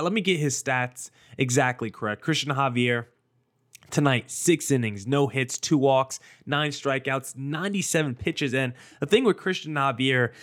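A young man hosting a solo sports podcast, his voice a little hoarse. He talks with excitement, leaning on "like" and "I mean.". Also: medium pitch. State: slightly hoarse from screaming. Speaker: podcast host.

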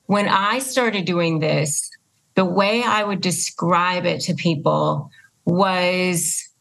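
A woman chatting casually as a podcast host, halting and emphatic as she explains things by quoting herself. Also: lowish voice, creaky, a bit bright, soft background music, low-quality recording. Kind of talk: casual conversational interview.

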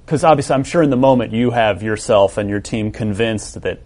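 A man's voice: on the low side, a little fast, a little mellow. A man hosting an interview, asking conversational, hedged questions and adding short agreements.

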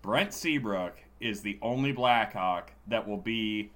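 A man's voice: lowish voice, takes it slowly, fairly bright tone. A hungover man co-hosting a casual sports podcast, talking in a dry, sardonic way. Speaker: podcast host.

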